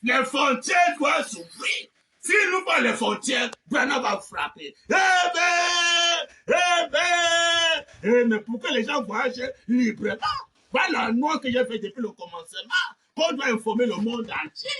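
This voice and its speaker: A male preacher delivering a fervent sermon, shouting and repeating amens, his voice swinging up and down. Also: very high voice, animated, unhurried.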